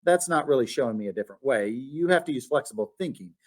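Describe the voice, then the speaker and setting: A man's voice: medium pitch, lively intonation, fast talker, close to an everyday voice. A man voicing a patient female math teacher in a storybook, encouraging and instructive. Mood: prompting. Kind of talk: storybook read-aloud.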